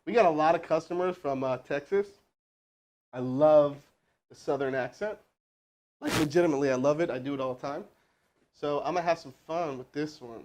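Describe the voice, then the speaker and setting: A fired-up man coaching cold calls live from a room full of crew, his voice sitting a touch high. He talks fast and loose, hyping the viewers between calls. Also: a little hiss or hum. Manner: energetic, pumped-up, casual, with chatty asides. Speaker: sales trainer hosting a live stream. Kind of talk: hyped live-stream coaching and cold calling. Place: indoor room with crew present.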